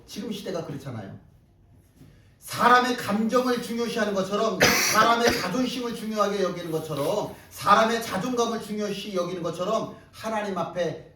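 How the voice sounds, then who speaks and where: A man's voice: on the high side, a bit bright. A male pastor preaching a sermon with emphatic rhetorical questions and repeated phrases for stress. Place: church sanctuary. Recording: echoey hall, mic at a distance.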